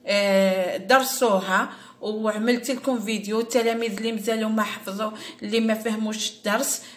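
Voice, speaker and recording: A woman teacher with an Algerian Arabic accent, patiently explaining an exam to young pupils and repeating each word slowly for them. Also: high-pitched, fairly bright tone. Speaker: primary school teacher. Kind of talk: lesson explaining a first-grade exam. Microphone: recorded at her device, screen-share style.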